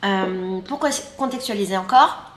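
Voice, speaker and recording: A woman's voice: medium pitch, moderate pace, slight background noise. A woman in her thirties from France, chatting casually in a vlog while eating breakfast. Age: 30s. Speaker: YouTuber and guide. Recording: roomy sound with faint ambience.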